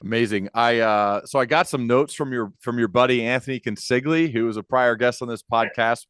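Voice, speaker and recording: A man interviews as a podcast host in a casual, earnest style. His voice sits at a medium pitch and sounds enthusiastic, as if thinking aloud. The recording is close and dry, with little room sound. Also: brisk, a bit bright, clean tone, no room sound.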